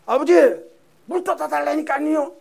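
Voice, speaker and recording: A man's voice: very high voice, fairly even intonation, normal speed, creaky, pitched above the performer's own voice. A man doing a cheeky lazy teenage son. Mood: cheeky demanding. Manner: whiny, cheeky demanding. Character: insolent lazy teenage son demanding water.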